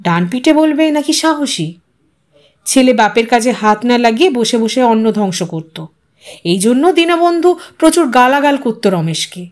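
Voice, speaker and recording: A woman's voice: fairly high pitch, expressive, a little slow, a little mellow. A woman reading a story aloud as a scripted audiobook narration.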